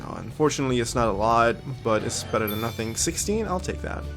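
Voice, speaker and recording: A man with a mid-range voice talks quickly and expressively over music. He's hosting a let's-play video, a bit sniffly from a cold, thinking out loud and reading game text with plenty of ums in casual commentary.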